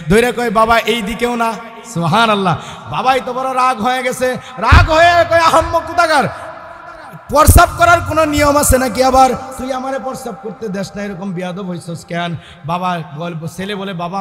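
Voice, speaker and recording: A man preaching a fiery sermon, shouting and chanting in a sing-song way as he tells a story and calls out to the crowd. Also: high voice, long reverb tail.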